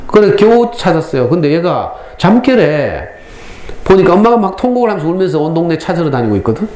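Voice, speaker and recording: A middle-aged man with a Gyeongsang Korean accent, giving a lively parenting lecture to school parents and acting out lines as he tells stories. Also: on the high side, fast. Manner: lively storytelling, acts out lines. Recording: echoey hall, faint ambience.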